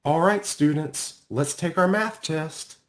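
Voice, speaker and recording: A man's voice: on the high side, slow pace, pitched above the performer's own voice. A man voicing a caring female elementary teacher in a storybook, considerate and instructive. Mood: instructing.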